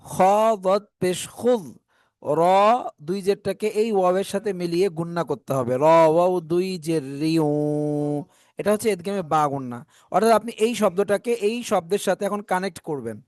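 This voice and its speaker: High-voiced man teaching Quran reading. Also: animated, a little mellow, no echo, studio quality. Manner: spells letters and vowel marks slowly, then drawn-out chanting. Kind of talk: spelling out and drilling recitation.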